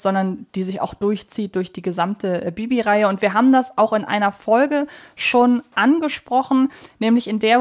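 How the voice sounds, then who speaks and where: A woman's voice: on the high side, a little mellow. A woman co-hosting a podcast, talking in a chatty, explanatory way. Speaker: podcast co-host. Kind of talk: conversational podcast discussion.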